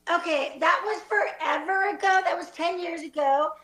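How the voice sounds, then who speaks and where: A woman's voice: extremely high pitch, normal speed, fairly bright tone. A woman playing a flustered, defensive former student in an improvised comedy scene. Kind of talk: improvised comedy stage acting. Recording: roomy, echoey live space.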